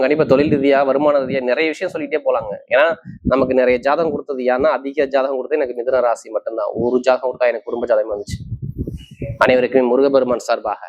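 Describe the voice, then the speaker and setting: A man speaks in a medium-pitched voice. He presents like an astrologer addressing viewers, stressing each point. His phrases come in short bursts, often repeated and stacked into lists. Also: highs cut off. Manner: emphatic, repetitive, listing points in short bursts. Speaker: astrologer presenting horoscope forecasts. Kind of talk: monthly horoscope talk to camera.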